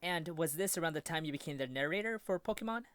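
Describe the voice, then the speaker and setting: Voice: medium pitch, lively intonation, fast, fairly bright tone, smooth, no room sound. An interviewer asking short, friendly questions. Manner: brief, friendly prompts.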